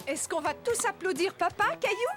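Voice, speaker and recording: An actress playing a gentle, upbeat mother in a children's cartoon, coaxing a small child. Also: very high-pitched, expressive, moderate pace, music in the background.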